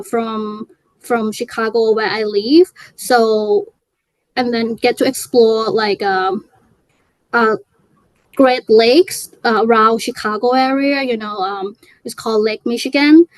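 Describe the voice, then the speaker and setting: A young native Thai speaker from Thailand, a woman, is the guest in a casual interview chat. Her voice sits a little high and she talks hesitantly, with many fillers and restarts. The audio is poor but has no echo.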